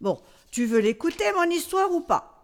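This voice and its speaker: A woman's voice: very high-pitched, sing-song, moderate pace. A woman playing a patient, easily flustered storyteller who coaxes a child along in a comic radio dialogue. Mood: mildly exasperated. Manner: hesitant, coaxing, as to a child.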